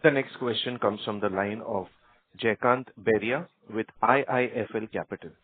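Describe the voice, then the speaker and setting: Low-voiced male call operator, phone line. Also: normal speed, breathy edge. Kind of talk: scripted announcing. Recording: narrow phone-line audio.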